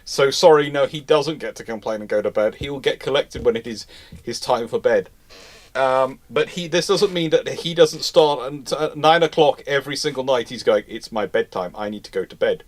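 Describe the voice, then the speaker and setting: A man's voice: medium pitch, moderate pace. A man hosting an unscripted live question-and-answer chat, rambling and restarting his phrases mid-thought. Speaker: host of a live naval history question show.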